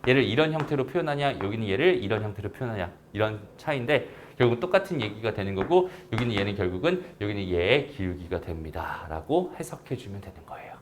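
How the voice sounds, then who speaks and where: Lively-voiced male math teacher. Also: fairly low pitch, fast, hardly any pauses, a little hiss or hum. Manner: casual, checks understanding with frequent tag questions. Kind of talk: recorded math lecture.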